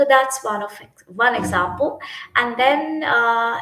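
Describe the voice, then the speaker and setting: A woman in a Sri Lankan accent at a moderate pace, with ordinary pitch variation and noticeable background noise. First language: Sinhala. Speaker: youth climate activist. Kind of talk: livestream presentation. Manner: halting, many fillers.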